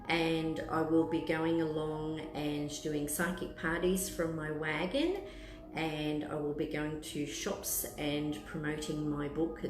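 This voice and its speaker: A woman in her fifties with an Australian accent, chatting casually to live viewers as a host and thinking aloud in a hesitant, rambling way. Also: sits low. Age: 50s. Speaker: tea room host, psychic palm and tea leaf reader. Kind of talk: casual chat in a live stream, answering viewers. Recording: roomy echo with clear background noise.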